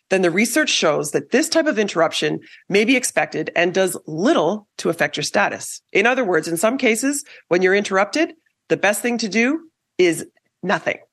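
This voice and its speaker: A woman hosting a podcast, giving scripted advice on communication in an emphatic, coaching way. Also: lowish voice. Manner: lively, emphatic coaching delivery. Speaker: podcast host.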